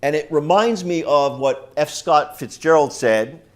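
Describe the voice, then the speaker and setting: A man's voice: fairly high pitch, measured pace. Big-voiced New man giving a speech. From New York. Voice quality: big, loud voice. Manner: fervent, optimistic rally speaking. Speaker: keynote speaker. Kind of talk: political speech. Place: university lecture room. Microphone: unamplified voice picked up from the room.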